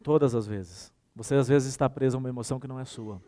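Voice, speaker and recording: A man's voice: medium pitch, fast. A man with a Brazilian Portuguese accent giving a workshop talk, telling anecdotes, acting out the dialogue and speaking straight to his audience. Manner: animated storytelling, acts out dialogue; addresses audience directly.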